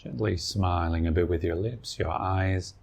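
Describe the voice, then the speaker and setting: A man with a low voice guides a meditation. He gives soft-mannered, unhurried instructions in short phrases, leaving space between each one, as a teacher would for a student. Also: steady tone, vocal fry.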